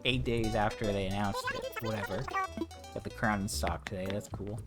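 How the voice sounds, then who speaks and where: A man's voice: on the low side, fairly even intonation, moderate pace. Rambling hiccuping male streamer over music. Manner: rambling, ranting, many fillers and restarts. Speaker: game streamer. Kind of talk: casual livestream chat while playing. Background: game music.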